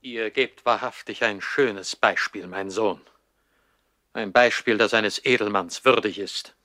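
A man's voice: lowish voice, a little slow, bright, forceful tone, dry recording, studio quality. An actor playing a stern, formal baron and disapproving father in a German radio play from the 1960s. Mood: stern, reproachful. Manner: formal, admonishing, stiffly dignified.

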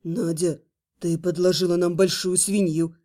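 A woman voicing gloomy, fretful young male dragons in a lowered, brooding voice. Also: level tone, measured pace, mellow, natural voice. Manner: low brooding put-on male voice.

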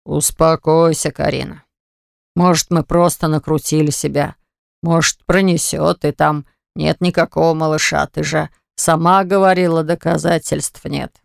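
A woman voicing an older husband and grandfather who speaks calmly and reluctantly. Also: sits low, gravelly, smooth, no echo, studio quality, exaggerated voice. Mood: calming. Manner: calm, measured, grudging.

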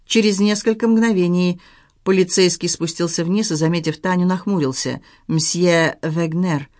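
A narrator reading a novel aloud in an even, measured storytelling manner. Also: medium pitch, no room sound, clean studio sound.

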